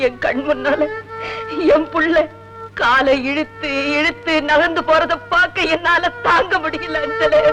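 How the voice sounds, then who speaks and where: A sorrowful village mother , played by an actress, with a high voice, tearful and pleading. Her lines come from an old film soundtrack with loud music underneath. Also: lightly acted. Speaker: grieving mother. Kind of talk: 1970s film drama dialogue.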